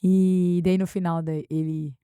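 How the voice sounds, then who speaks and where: A woman with a Brazilian accent, speaking as a guest expert in an interview and telling anecdotes in a lively way. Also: lowish voice, a little slow, clear, resonant tone, no room sound, clean studio sound. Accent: Brazilian Portuguese. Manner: animated anecdote-telling, acts out quotes. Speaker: guest expert on workplace harassment. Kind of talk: conversational interview storytelling.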